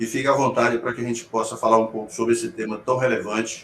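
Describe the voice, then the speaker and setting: This is a man talking. He speaks with a Ceará accent. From Ceará, Brazil. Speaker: event host and moderator. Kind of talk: live online talk introduction. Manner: halting, many fillers and repeats.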